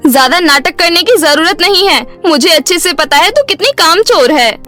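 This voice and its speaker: A woman voicing an earnest, hard-working young village daughter in an animated bedtime story. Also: very high voice, normal speed, faint music behind, exaggerated voice. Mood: scolding, upset. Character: hard-working, caring young village daughter, scolding her lazy sister.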